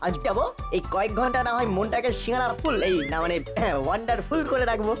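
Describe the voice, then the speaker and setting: A woman voicing an excitable, food-loving ten-year-old boy in a comedy cartoon, dramatic and playful. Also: on the high side, fast, music in the background, close to an everyday voice. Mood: grumbling, scheming. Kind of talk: animated comedy cartoon acting.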